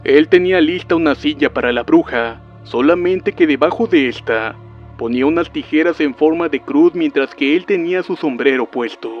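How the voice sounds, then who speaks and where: A man narrating a witch horror story in a calm, even storytelling voice. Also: a little high. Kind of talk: scripted narration. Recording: dull lo-fi sound with faint music.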